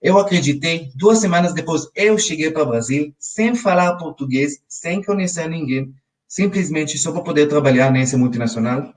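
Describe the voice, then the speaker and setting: A man's voice: a little high, normal speed, recorded from a distance, low-quality recording. A man in his forties with an Israeli accent, teaching a live financial webinar and often checking in with his viewers. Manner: talks straight to his audience, often checking in with "ok?". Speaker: financial educator.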